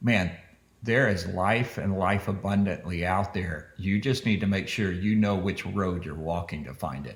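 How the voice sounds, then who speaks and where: A very deep, low-pitched man, somewhat breathy, at a fairly slow pace with ordinary pitch variation. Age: 60s. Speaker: youth and college sports expert. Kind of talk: podcast interview. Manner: halting, frequent restarts and fillers.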